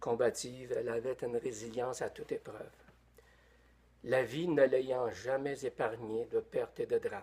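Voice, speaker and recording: Long pauses come often in this man's speech. Between them, he moves at a moderate pace. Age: 60s. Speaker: testimonial giver. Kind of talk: testimony, reading a written tribute. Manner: halting.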